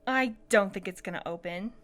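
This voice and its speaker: A woman acting in an audio drama podcast as a playful, curious but cautious companion, lightly teasing and expressive. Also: mid-range voice, brisk, natural voice. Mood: alarmed. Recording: clear background noise, ambient sound bed.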